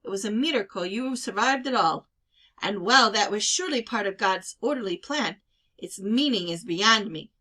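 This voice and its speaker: A woman's voice: mid-range voice, expressive, bright, forceful tone. A woman voicing a bossy, exasperated older sister from a village in a storybook reading. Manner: brisk, exasperated, commanding. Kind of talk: children's novel read-aloud.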